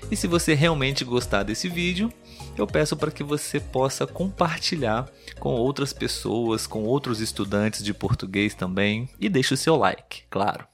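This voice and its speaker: Male tutor, mid-pitched voice, clear patient podcast teacher, faint music behind. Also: expressive. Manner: slow, clear teaching delivery with examples; friendly, checks in with learners. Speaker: Portuguese tutor and podcast host. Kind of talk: podcast lesson for language learners.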